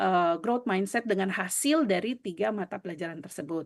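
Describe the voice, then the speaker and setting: Over a quiet background, a woman with a medium pitch talks at a fairly quick pace with ordinary pitch variation. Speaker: lecturer training teacher educators. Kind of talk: lecture. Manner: halting.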